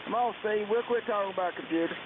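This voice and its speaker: A man's voice: high voice, fast talker. A man chatting casually as an amateur operator over a ham radio transmission. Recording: narrow, hissy, noisy radio link.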